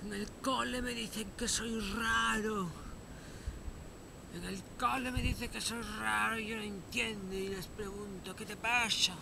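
A man acting out a self-pitying paranoid misfit. He drawls slowly in a raised, gravelly voice and circles back to the same questions. Loud outdoor noise runs underneath. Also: fairly high pitch. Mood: hurt.

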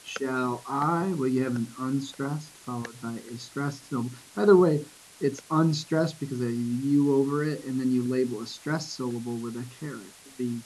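A man's voice: medium pitch, poor audio. Casual man teaching poetry, faint hiss. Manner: relaxed, many fillers and restarts, reads verse slowly. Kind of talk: casual screen-recorded lesson.

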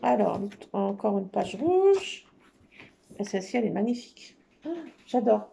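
A woman's voice: medium pitch, sing-song, measured pace, creaky, warm tone, a little hiss or hum. A woman showing off scrapbooking paper in casual chat, enthusiastic and full of fillers. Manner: enthusiastic, many fillers, repeats "trop beau". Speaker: scrapbooking crafter. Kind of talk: casual show-and-tell of craft paper.

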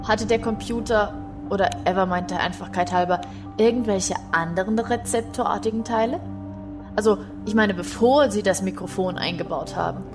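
A woman playing an inquisitive, serious psychologist in a science fiction audio drama, speaking in a deliberate, probing way. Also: mid-range voice, over music, close to an everyday voice.

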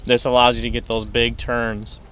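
A man's voice: mid-range voice, level tone, normal speed, fairly bright tone, slight background noise. A young man, a fishing guide, explaining gear in a casual outdoor interview on a boat, with fillers and restarts.

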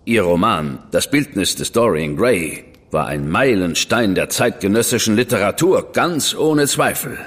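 A man's voice: fairly low pitch, expressive, unhurried, slightly rough, big-room sound. An actor playing a stern, powerful government man in a radio drama, speaking in a curt, cool and commanding manner. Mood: stern, warning. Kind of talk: German studio radio drama acting.

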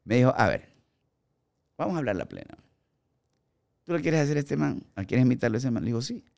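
A man in his forties with an Ecuadorian accent, a guest actor telling animated stories in a podcast studio on a boom mic. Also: a little fast, vocal fry. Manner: animated storyteller acting out quoted remarks. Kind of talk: casual podcast storytelling. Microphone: studio mic on boom arm, headphones.

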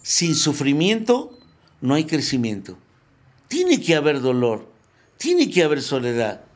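A man giving a spiritual recovery talk, telling it as a lively story and repeating phrases for emphasis. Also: on the high side, unhurried. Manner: lively storyteller who acts out the quotes he tells. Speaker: speaker at a recovery group meeting.

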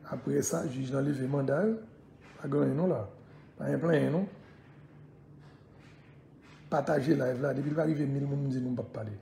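A man's voice: a little high, vocal fry, mellow, echoey room, a little hiss or hum. A man from Haiti with a Haitian accent, chatting loosely on a live stream and repeatedly urging viewers to share it. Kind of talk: casual live-stream chat.

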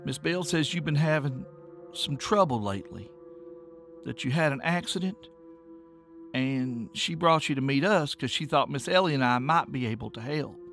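A man voicing a kind countrywoman who speaks softly and gently to a frightened child. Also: a little high, very animated, normal speed, soft background music. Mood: gentle, reassuring. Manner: soft, gentle, reassuring. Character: gentle kindly Appalachian countrywoman, middle-aged.

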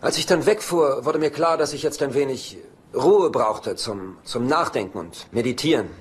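An actor playing a cocky, sardonic bachelor brother in a dubbed sitcom, with a dry, flippant delivery. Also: male voice, medium pitch, expressive, normal speed, background noise, lightly acted. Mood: wry. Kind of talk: sitcom dub acting.

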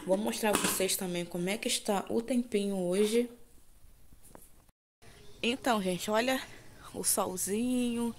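A woman with a Brazilian Portuguese accent narrates a casual home vlog from her kitchen and yard, chatting familiarly with viewers and often seeking their agreement. Her voice is medium-pitched, a little slow, with long pauses. It's a noisy recording on a handheld phone.

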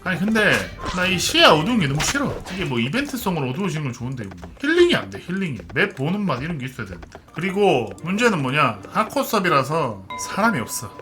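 A man's voice: fairly high pitch, huge pitch swings, quick pace, few pauses, over music. A man in his thirties casually commentating a martial-arts online game as he plays, chatty and talking to himself. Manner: chatty, muttering to himself, bursts into mock-archaic martial-arts role-play. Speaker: game streamer.

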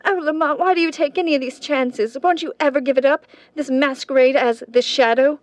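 A woman's voice: sits high, fairly even intonation, a little fast, no room sound, natural voice. A woman playing an inquisitive society sweetheart who frets over her hero, in a 1930s-style radio drama. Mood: concerned, pleading.

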